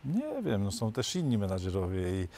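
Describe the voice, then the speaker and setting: A man in his forties, a football coach guest in a TV studio discussion, relaxed and self-deprecating. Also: lowish voice, moderate pace, a little hiss or hum. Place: large TV studio.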